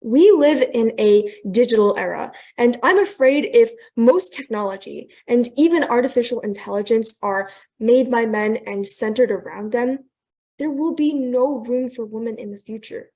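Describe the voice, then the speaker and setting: A woman's voice: fairly high pitch, normal speed, dark tone. Earnest young woman giving a speech. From Thailand, raised in New York. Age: young adult. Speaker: guest speaker. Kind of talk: prepared presentation on a video call.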